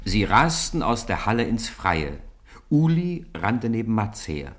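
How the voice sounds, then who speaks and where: A man tells a children's story as the narrator of a radio play. His voice sits fairly low and moves with very animated intonation through the scripted text. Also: a little slow.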